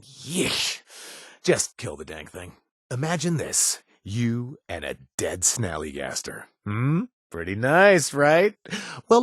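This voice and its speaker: An actor playing a wry, sarcastic companion in a video game who hands out kill jobs, stammering and joking. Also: male voice, on the low side, husky, dry recording, heavily acted. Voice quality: animated, sarcastic delivery with hesitant stammers. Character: wry young man, quest-giving companion, sarcastic and jumpy. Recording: dry studio sound.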